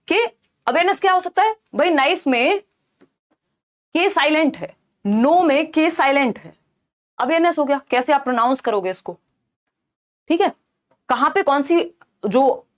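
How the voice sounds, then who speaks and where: High-voiced woman teaching an exam lesson. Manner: explains by rephrasing and asking rhetorical questions.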